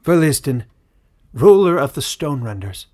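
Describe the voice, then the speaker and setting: A man playing a commanding, zealous tribal elder, giving loud ceremonial oratory in a fantasy audiobook. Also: fairly high pitch, big pitch swings, unhurried. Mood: solemn, commanding.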